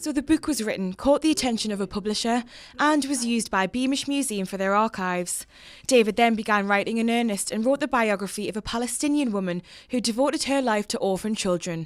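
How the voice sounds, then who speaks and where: A woman talks at a very fast pace, her fairly high voice showing ordinary pitch variation. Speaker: TV presenter or reporter. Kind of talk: TV news bulletin narration.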